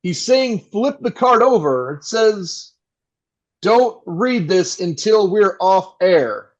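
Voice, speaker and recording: Guy playing old-time 60s radio host, super animated and high, dramatic announcer thing, audio play. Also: takes it slowly, lo-fi sound, exaggerated voice. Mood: puzzled. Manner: theatrical, gushing announcer delivery. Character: flustered, melodramatic 1960s New York radio host, scorned husband.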